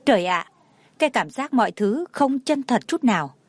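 A woman's voice: fairly high pitch, lively intonation, moderate pace, breathy edge, no echo. A woman voicing a flustered young male assistant who sounds incredulous and stammers.

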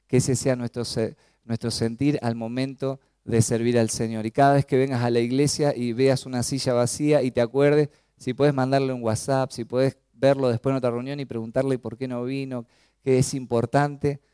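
A man's voice: medium pitch, little pitch movement, moderate pace, warm tone, clear, resonant tone, no room sound, studio quality. A man from Chaco with an Argentine accent, preaching a sermon with emphasis and frequent rhetorical questions. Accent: Argentine Spanish.

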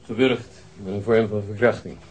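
An actor playing a matter-of-fact police doctor in a radio crime drama, clinical and offhand. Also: male voice, on the low side, steady tone, moderate pace, husky, rough recording. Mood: clinical, detached.

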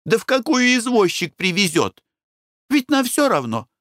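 A man voicing a fussy, impatient merchant's wife in an audiobook, pushing his voice up high and shrill. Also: huge pitch swings, normal speed, a bit bright, no room sound, studio quality, full character voice. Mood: offhand.

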